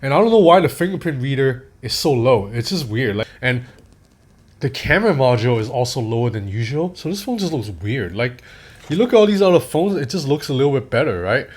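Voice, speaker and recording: A man in his thirties reviews a phone in a loose, candid vlog style and swears casually. His voice sits at a middling pitch for a man. He talks like he is chatting with a friend. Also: sing-song, a little fast. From Hong Kong. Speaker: tech reviewer.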